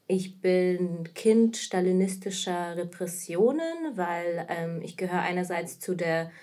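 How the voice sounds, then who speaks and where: Speaking slowly in a warm, fairly low voice, this podcast guest is a woman in her thirties from Kazakhstan whose first language is Russian. She gives a casual interview in Russian-accented German and works as an anti-racism activist and trainer.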